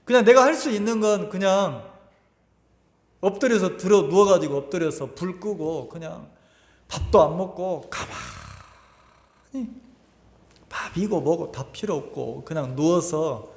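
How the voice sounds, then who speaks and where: A pastor giving a Sunday sermon in a lively, conversational way, asking the congregation rhetorical questions and repeating his words often. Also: on the high side. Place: church sanctuary. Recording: echoey church hall with long reverb.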